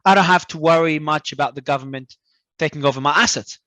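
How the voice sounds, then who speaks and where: A man from Australia, a guest talking in an animated, emphatic way and often repeating words as he restarts. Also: fairly high pitch, fast talker, dry recording. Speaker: crypto entrepreneur guest. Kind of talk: casual interview talk.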